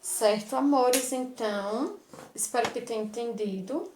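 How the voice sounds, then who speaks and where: A woman's voice: on the high side, measured pace, roomy sound, background noise. A woman teacher giving a recorded lesson to children, talking affectionately, asking questions back and sounding out words one by one.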